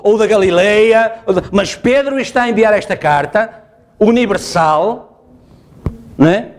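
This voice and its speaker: High-voiced European Portuguese preacher. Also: male voice. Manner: emphatic, repeats phrases, asks the congregation "está a ver?". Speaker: pastor. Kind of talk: sermon. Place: church.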